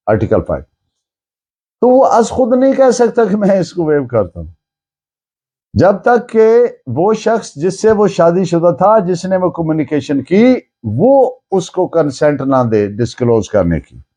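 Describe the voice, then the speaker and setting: A man's voice: sits high, dark tone. A man with a Pakistani accent lecturing on law, didactic and emphatic, repeating key phrases and mixing in English legal terms. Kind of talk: lecture, explaining and dictating case citations.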